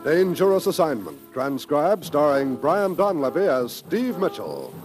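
A man's voice: on the high side, very animated, a little slow, over loud music. A man with an American accent announcing for 1950s network radio in a polished, emphatic, promotional style. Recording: vintage 1950s radio broadcast.

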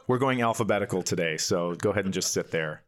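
A man's voice: sits low, animated, a little fast. A man co-hosting a comedy podcast in casual, joking conversation.

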